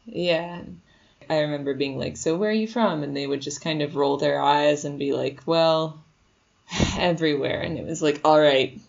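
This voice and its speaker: A woman's voice: sits low, normal speed, creaky, muffled recording. A woman co-hosting a podcast in a chatty, casual way, retelling stories and quoting people. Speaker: podcast co-host. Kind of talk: casual chat. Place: Shenzhen.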